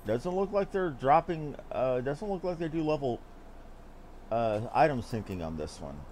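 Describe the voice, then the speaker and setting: A man's voice: medium pitch, big pitch swings, normal speed, darkish tone, a little hiss or hum. A man giving casual, offhand gameplay commentary with geeky asides as he streams. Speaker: game streamer.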